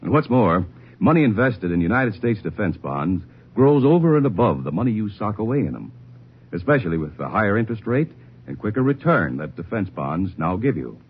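A man's voice: on the low side, sing-song, a little fast, a little hiss or hum. A man reading a persuasive scripted advertisement in 1950s radio announcer style. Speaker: public-service advertisement announcer. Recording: dull 1950s radio recording.

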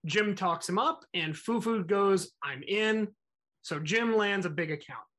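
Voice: medium pitch, moderate pace, fairly bright tone. A podcast co-host telling a music history story in a casual, conversational way, acting out quotes and using fillers.

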